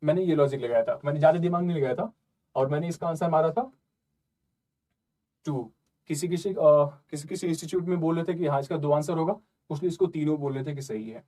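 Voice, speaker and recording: A man talks through exam questions like a friendly tutor, loose and conversational. His voice sits a little high but sounds soft and mellow, and he keeps checking in with his listeners as he reasons aloud. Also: a little fast. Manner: conversational, repeats "ठीक है" and "ना" often. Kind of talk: casual explanatory lesson.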